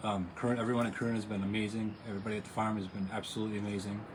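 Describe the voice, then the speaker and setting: A man with an American accent speaks quietly at a very fast pace and a fairly low pitch. Audible room echo surrounds his voice. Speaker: viewer visiting a travel vlogger. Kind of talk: casual interview on a livestream. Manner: halting.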